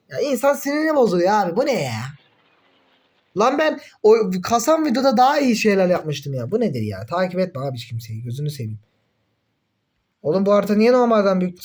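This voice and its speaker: A young man commentating his own mobile game in casual chat, excitable, groaning and cursing when things go wrong. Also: high-pitched.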